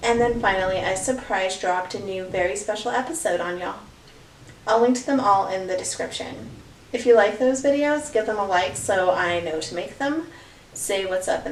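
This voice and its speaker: A woman speaks at a fairly quick pace with lively intonation. Audible room echo surrounds her voice. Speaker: vlogger. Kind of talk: casual vlog talk. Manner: fast.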